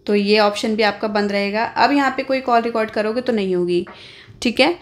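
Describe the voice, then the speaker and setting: A woman's voice: on the high side, fairly quick. An Indian woman hosting an informal phone tutorial, explaining step by step and often adding little check-in tags. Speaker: tech tutorial host.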